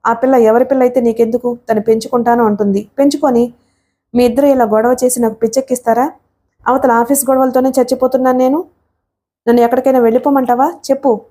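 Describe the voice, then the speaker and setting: A woman reading the part of an angry young husband caught between his wife and his mother, speaking fast and heated. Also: a little high, fairly even intonation, natural voice. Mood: furious. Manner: shouting in frustration, rapid.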